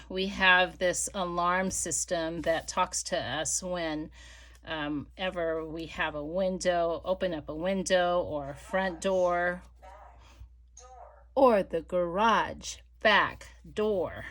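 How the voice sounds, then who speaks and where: A middle-aged woman chatting casually while she crafts, rambling with many fillers and dropping to soft murmurs as she works. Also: on the low side, fairly even intonation, takes it slowly. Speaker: crafting vlogger.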